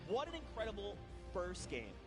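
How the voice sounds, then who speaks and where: A man casting a live esports match in a large arena, shouting with excitement at the big plays. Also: high-pitched, moderate pace, over music. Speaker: esports caster. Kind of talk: live esports play-by-play commentary.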